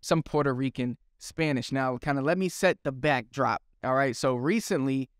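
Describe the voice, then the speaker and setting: A man's voice: medium pitch, normal speed, clean tone, dry recording, clean studio sound. A man hosting a language channel, giving a chatty, explanatory vlog introduction.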